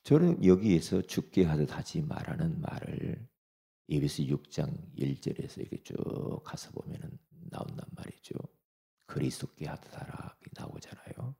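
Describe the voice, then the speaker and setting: A middle-aged man preaches to his congregation with a gravelly, dark tone. His pitch moves a great deal, and he shifts from quiet asides to loud, pressing exhortation. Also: moderate pace. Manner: animated, swings between soft asides and loud exhortation. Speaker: pastor. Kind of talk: sermon.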